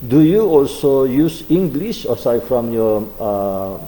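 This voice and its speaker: Slow, dark-voiced man teaching a class. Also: mid-range voice, very animated, big-room sound, a little hiss or hum, low-quality recording. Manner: slow, halting, many fillers. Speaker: Korean language teacher. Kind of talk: online class lecture.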